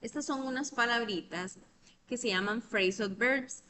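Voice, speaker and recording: A woman's voice: on the high side, a little slow, noisy background. A woman, patiently explaining English grammar in an online tutoring lesson over a computer mic, often checking in with "¿verdad?".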